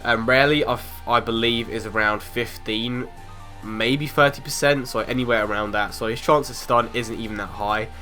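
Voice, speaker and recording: A man's voice: medium pitch, sharp tone, faint music behind. A young man with a bit of a cold, hosting a casual game analysis video in a chatty way full of ums and restarts. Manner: chatty, lots of ums and restarts, quick laughs. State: has a cold, sounds a bit off. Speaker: mobile game video host.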